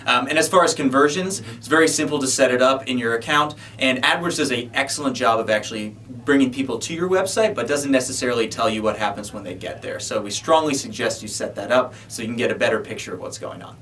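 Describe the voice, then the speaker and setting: Male co-host, mid pitch, distant mic. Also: fast, hardly any pauses, sharp tone. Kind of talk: presenting and explaining on a Q&A show.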